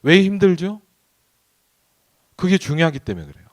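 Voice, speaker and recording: This pastor has a high, sing-song voice and keeps a moderate pace. He preaches a midweek sermon in a church sanctuary in a conversational manner, regularly asking the congregation questions.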